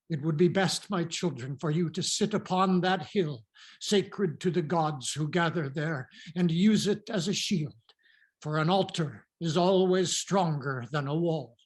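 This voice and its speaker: An actor reading the part of a cautious, commanding father in a Greek tragedy, in a measured, solemn, instructive manner. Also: fairly high pitch, lightly acted. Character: cautious, commanding elderly father leading refugee daughters.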